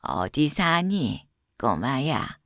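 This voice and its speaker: A woman puts on a kindly old grandmother for a children's storybook. The voice drops low and goes soft and unhurried, tender toward a small listener, in a dry, close recording. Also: big pitch swings, dry recording, heavily acted. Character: kind, gentle old grandmother comforting a stray puppy.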